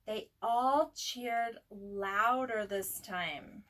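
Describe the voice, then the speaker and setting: A woman reading a picture book aloud in an expressive, simple way for young children, as a preschool teacher would. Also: medium pitch, very slow. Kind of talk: children's storybook read-aloud. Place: at home. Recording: home recording with faint background noise.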